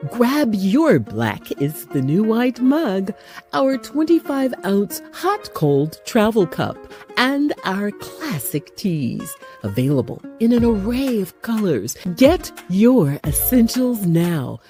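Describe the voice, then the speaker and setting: A woman reading a scripted show intro and promo in a measured, hushed way. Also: mid-range voice, big pitch swings, soft background music. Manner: slow, measured, hushed delivery. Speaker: host. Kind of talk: scripted narration.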